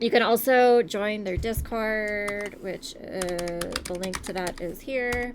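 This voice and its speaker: A woman with an American accent speaks very slowly in a fairly high pitch. Her intonation is fairly even over noticeable background noise. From Canada, Windsor, Ontario. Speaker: streamer. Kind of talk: casual chat.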